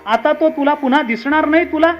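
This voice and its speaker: A man voicing the god Krishna as he breaks grim news to his sister, at times pleading and shouting. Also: very high-pitched, lively intonation, brisk. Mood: urgent. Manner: gentle, then pleading and shouting. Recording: muffled with faint instrumental music.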